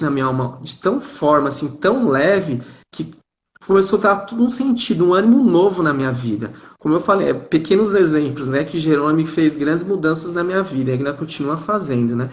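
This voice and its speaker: A Brazilian man in his thirties, a live stream guest, telling a personal story in an animated, conversational way. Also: on the high side, brisk. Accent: Brazilian Portuguese. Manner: animated, conversational, frequent "né?" tags. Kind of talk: casual storytelling.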